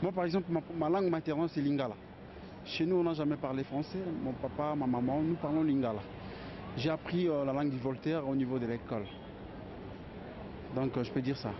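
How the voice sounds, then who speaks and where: A man's voice: a little high, fairly even intonation, brisk, noisy background. A man from Kinshasa answers a street interviewer earnestly, with frequent hesitations. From Kinshasa, DR Congo. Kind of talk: vox pop answer. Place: busy street outdoors. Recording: dull lo-fi street recording with crowd.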